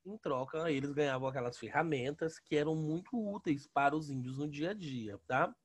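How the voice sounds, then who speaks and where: Husky Brazilian man with a sore throat. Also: on the high side, moderate pace. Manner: colloquial, often adding "né" and "tá" tags. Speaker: history teacher. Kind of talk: casual online lesson, explaining. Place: small room at home, indoors. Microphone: headset on a video call.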